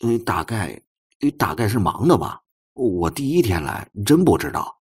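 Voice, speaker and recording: A young rookie policeman, acted by a male narrator, sounds timid and awkward. His low, husky voice hesitates and stammers through simple answers in an audiobook story. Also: very animated, moderate pace, exaggerated voice. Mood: nervous.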